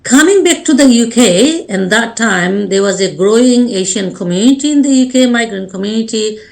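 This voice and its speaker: Woman, gravelly voice, earnest interview guest, short restarting phrases. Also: a little high, animated, normal speed, a little mellow. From Bangladesh. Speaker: guest, life and leadership coach. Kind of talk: radio interview.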